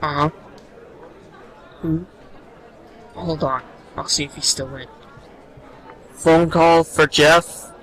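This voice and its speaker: A man's voice: fairly high pitch, steady tone, slow, pauses often, a bit bright, some chatter behind, rough recording. A man playing a matter-of-fact bartender at a biker bar in an amateur audio drama, brusque and businesslike.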